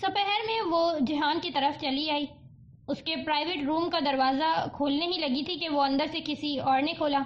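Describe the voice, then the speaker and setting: A woman narrating a novel as an audiobook, with an even storytelling delivery. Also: high voice. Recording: dull lo-fi audiobook recording.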